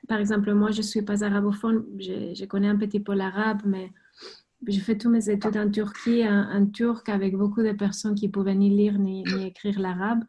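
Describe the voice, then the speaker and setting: A woman calligrapher answering questions on a video call, halting and often repeating words while she thinks. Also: medium pitch, level tone, dark tone. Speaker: guest calligrapher and teacher. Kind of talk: answering questions in an online talk.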